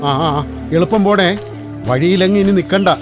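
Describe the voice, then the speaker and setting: A man's voice: sits high, moderate pace, music in the background, natural voice. A man as a fussy, scolding cartoon uncle. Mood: stern, concerned. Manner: scolding, avuncular. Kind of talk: children's cartoon voice acting.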